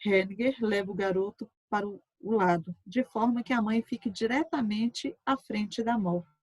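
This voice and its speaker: Woman teacher reading a transcript; steady, measured, mid-pitched, close and dry. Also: dry recording. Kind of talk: reading a session transcript aloud.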